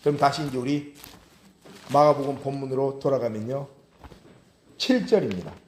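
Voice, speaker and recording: A man's voice: medium pitch, a little hiss or hum. Male pastor preaching in an echoey sanctuary. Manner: reads scripture aloud slowly, then explains in a hushed, earnest voice. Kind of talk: sermon. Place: church sanctuary.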